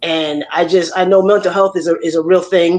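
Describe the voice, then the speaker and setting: This woman's voice sits fairly low in pitch, and her intonation stays fairly even. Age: 50s. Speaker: live streamer. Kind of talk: casual chat. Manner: halting.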